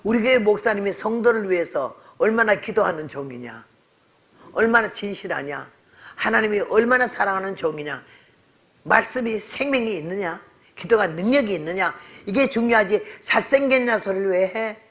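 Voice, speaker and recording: A woman's voice: mid-range voice, expressive, normal speed, a bit bright. An older woman missionary preaching a sermon, telling a story in a blunt, scolding way. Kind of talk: sermon with testimony.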